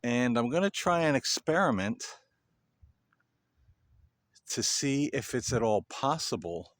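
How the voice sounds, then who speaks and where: A man hosting a paranormal video, talking casually and earnestly to viewers in halting phrases. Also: mid-range voice, sing-song, no echo. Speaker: paranormal investigator, video host. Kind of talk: casual explanatory monologue to viewers.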